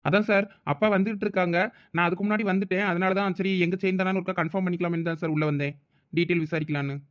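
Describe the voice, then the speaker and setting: Polite young son, high voice, very rapid, acted. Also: male voice, steady tone, lightly acted. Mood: polite, earnest. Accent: Thoothukudi Tamil. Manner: respectful, explanatory. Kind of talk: cartoon village drama dialogue.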